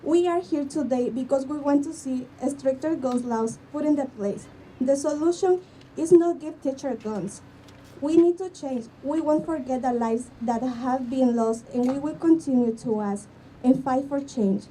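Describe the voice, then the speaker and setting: A young woman from Guatemala with a Spanish accent, giving an earnest rally speech as a student in halting English. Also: sits high, mellow. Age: young adult. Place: outdoor school campus. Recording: distant mic, faint outdoor noise.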